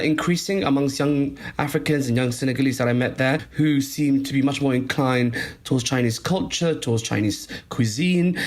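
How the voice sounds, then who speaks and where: A man reporting as a guest on a discussion panel, explaining at length in a measured way with frequent fillers. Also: mid-range voice.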